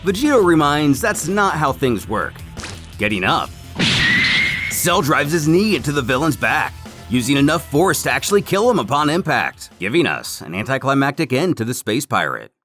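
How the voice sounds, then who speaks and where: A man's voice: medium pitch, sing-song, normal speed, fairly bright tone. A man narrating a scripted story recap in the manner of a dramatic retelling, with music behind him. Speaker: narrator of a fan comic series.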